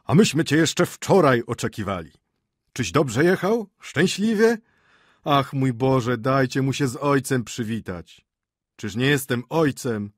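A man voicing an excitable, flustered middle-aged father in an audiobook, with fussy exclamations. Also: fairly low pitch, unhurried, dry recording, studio quality.

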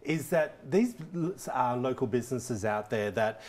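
A man's voice: mid-range voice, lively intonation, a little mellow. A middle-aged man hosting a local TV talk show in a studio, chatty and upbeat, on a lapel mic. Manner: upbeat, chatty, quick interjections. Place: TV studio set, seated in armchair.

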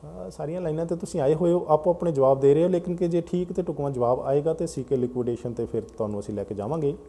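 Mellow-voiced male call-in host. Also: on the high side, fast talker. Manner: patient, explains at length to callers. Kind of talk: call-in talk show hosting. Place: TV studio.

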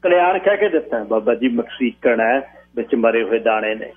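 A calm young student who answers the elders in a low, quiet, matter-of-fact voice, as a man reading a story puts him on. The voice is slightly husky and comes through a thin, phone-like radio broadcast. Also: brisk.

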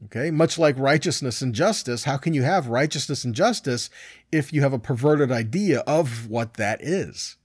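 A man's voice: mid-range voice, animated, normal speed, slightly rough, dry recording, studio quality. A middle-aged man teaching scripture in an informal sermon, conversational and often answering his own questions. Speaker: Bible teacher.

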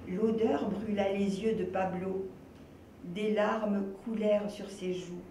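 An older woman, a volunteer reader, reading a children's picture book aloud in a slow, gentle, expressive way. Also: mid-range voice, a little hiss or hum. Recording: roomy echo, distant mic.

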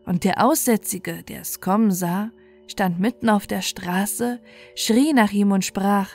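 A woman's voice: medium pitch, unhurried, darkish tone. A woman storyteller narrating a bedtime fairy tale. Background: faint music.

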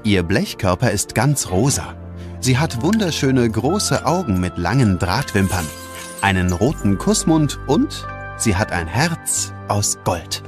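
A male narrator tells a children's audio drama from a script. His delivery is expressive, with lively, moving pitch. Clear music runs behind the voice. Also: unhurried. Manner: expressive storytelling.

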